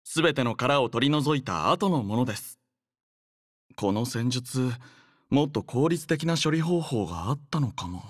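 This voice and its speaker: A man voicing a courteous, earnest young android soldier in an anime game, speaking in a polite, formal, measured manner. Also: medium pitch, animated, no room sound, studio quality, lightly acted. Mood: earnest, reflective. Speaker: game character voice. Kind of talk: scripted anime game voice lines.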